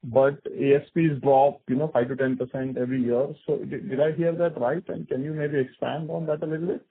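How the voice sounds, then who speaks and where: A man, an analyst asking halting questions on an earnings call. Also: mid-range voice, steady tone, breathy edge. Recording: muffled phone conference line.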